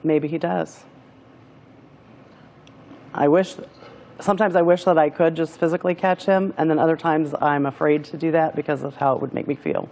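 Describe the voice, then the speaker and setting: Woman guest on a talk show, hesitant, kinda halting, unsure of her words. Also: low voice, fairly even intonation, darkish tone. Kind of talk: emotional personal testimony.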